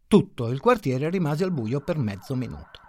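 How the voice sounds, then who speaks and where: A man narrating a short story in a measured, ironic storytelling manner. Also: medium pitch, big pitch swings, warm tone, slight background noise. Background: faint music.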